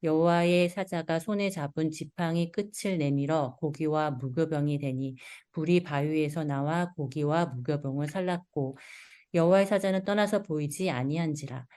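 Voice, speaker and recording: A woman reading scripture aloud in a slow, measured way over a video call. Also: low voice, fairly even intonation, warm tone.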